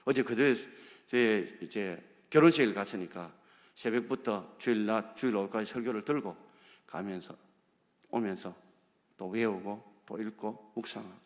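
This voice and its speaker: A man's voice: fairly low pitch, normal speed. A male pastor preaching a sermon, driving his points home with rhetorical questions to the congregation. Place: church sanctuary. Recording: long hall reverb.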